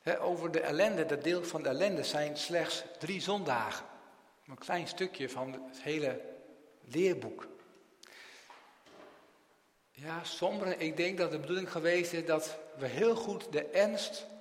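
A man with a slightly raised voice delivers a catechism sermon, putting rhetorical questions to his listeners and tagging many sentences with a little "hè". His loudness rises and drops sharply from line to line. The sound carries a roomy church echo with a long tail. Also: a little high, a little slow, long pauses. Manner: rhetorical questions, frequent tag "hè", strong swings in loudness. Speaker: preacher.

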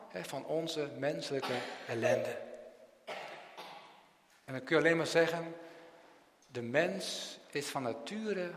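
A man's voice: a little high, echoey room, in a large hall. A man preaching a catechism sermon in a church, asking rhetorical questions and often tagging his sentences with "hè". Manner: rhetorical questions, frequent tag "hè", strong swings in loudness.

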